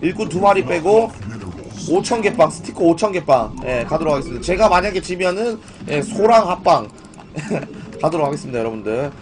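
High-pitched man live-streaming with strained throat. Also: very animated, a little fast. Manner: informal, repeatedly questioning and addressing viewers. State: strained throat, voice in poor condition. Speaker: live-stream host, gaming broadcaster. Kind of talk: casual live-stream chat with viewers. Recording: music playing behind the voice. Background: music, keyboard typing.

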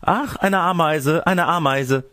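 Mann spielt naives junges Bauernmädchen, deutlich höher gesprochen. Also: male voice, medium pitch, big pitch swings, moderate pace, gravelly, darkish tone, breathy edge, no echo, studio quality, voice pushed up, heavily acted. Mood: startled. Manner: fussy, exclamatory, polite protests. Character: naive, coy, scolding young peasant girl.

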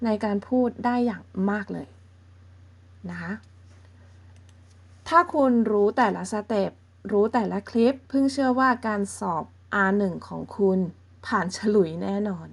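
A woman's voice: mid-range voice, lively intonation. A woman teaching a beginner language lesson, explaining patiently step by step and often checking in with her listeners. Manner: patient, explains slowly and checks in with softening particles.

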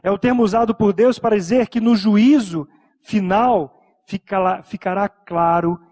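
A man's voice: high-pitched, a little mellow. A middle-aged Brazilian man preaching a sermon from a church stage into a handheld microphone, stretching out words for emphasis. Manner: preaching with emphatic, drawn-out phrases. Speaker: pastor. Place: church stage, large indoor hall. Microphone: handheld mic.

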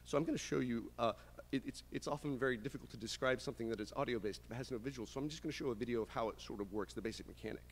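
A man's voice: medium pitch, rapid-fire, hardly any pauses. A man in his thirties giving a conference presentation as a game writer, hesitant and often restarting his sentences. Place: medium conference room, indoors. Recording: reverberant conference room, clear background noise.

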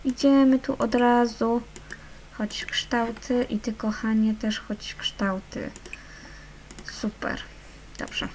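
A woman's voice: fairly high pitch, steady tone, takes it slowly, long pauses, darkish tone, slight background noise. A young woman hosting a gaming channel, chatting casually over her play and fondly coaxing the little characters along. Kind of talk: casual let's-play commentary.

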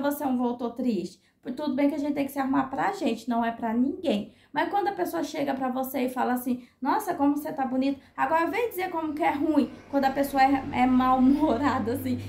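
A woman's voice: sits high, vocal fry, darkish tone, reverberant. A Brazilian woman vlogging casually, giving chatty advice with lots of fillers and repeats. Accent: Brazilian Portuguese. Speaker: crochet vlogger. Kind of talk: casual heart-to-heart vlog.

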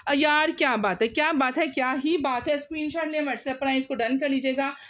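A woman with a high-pitched voice and a Pakistani accent sells clothing live. Her delivery is an overeager teleshopping pitch, exclamatory and repetitive, pushing listeners to order. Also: brisk, a bit bright. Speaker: live online clothing seller.

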